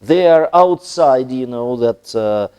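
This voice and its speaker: A man from Russia with a Russian accent, giving a formal interview in halting, deliberate, diplomatic phrases with long hesitations. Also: mid-range voice, animated, darkish tone, smooth. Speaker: ambassador, interview guest.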